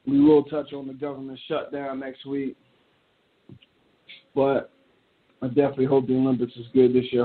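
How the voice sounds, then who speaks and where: Slangy man ranting on a tinny line. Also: mid-range voice. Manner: loose, joking, slangy rant. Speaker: talk show host. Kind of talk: casual solo commentary. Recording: tinny phone-like audio.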